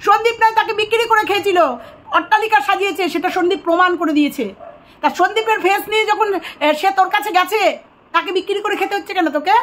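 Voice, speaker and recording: A woman's voice: very high voice, quick pace, fairly bright tone, a little hiss or hum. A woman delivering an angry, accusing monologue straight to the camera, repeating phrases for emphasis.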